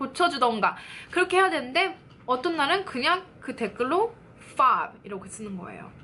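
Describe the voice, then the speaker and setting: A woman's raised, projected voice, high in pitch with very wide pitch swings, at a moderate pace over noticeable background noise. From South Korea. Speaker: vlogger. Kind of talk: casual storytelling vlog.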